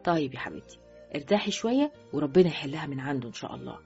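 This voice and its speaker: A woman's voice: high-pitched, big pitch swings, rapid-fire, mellow, faint music behind, voice pushed up. A woman voicing a worried, scolding middle-aged mother in Egyptian Arabic for an audiobook. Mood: calm advising. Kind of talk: audiobook character voice. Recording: dull, lo-fi audio.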